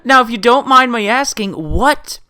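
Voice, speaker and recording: A woman interviewing a guest, asking questions in a sympathetic, expressive way. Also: on the high side, normal speed, no room sound, studio quality.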